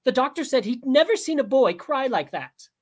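A woman voicing an indignant, overprotective mother who prattles on in a shrill, outraged way. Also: animated, moderate pace, husky.

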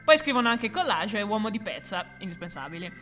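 Woman, co-host, scripted music explainer, deadpan irony, bright crisp tone, long room reverb with faint music. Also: medium pitch, quick pace. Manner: deadpan, ironic asides. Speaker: co-host of a music history video. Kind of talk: scripted explainer with playful banter.

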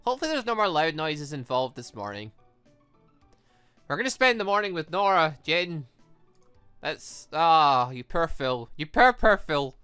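A man hosts a casual playthrough of a visual novel, chatting in a rambling way about what comes next and reading the on-screen text aloud. His voice is bright and his pitch swings widely. The sound is dry and close, with faint game music underneath. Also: very animated, unhurried, clear, resonant tone, no room sound. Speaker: let's-play host. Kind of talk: casual gameplay commentary.

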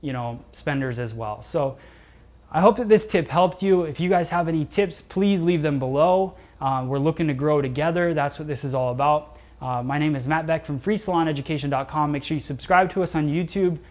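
A man's voice: a little high, brisk, darkish tone. A young man, a salon owner and hairdresser, giving casual business tips to camera in a salon, chatty with many fillers and restarts. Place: hair salon indoors, seated.

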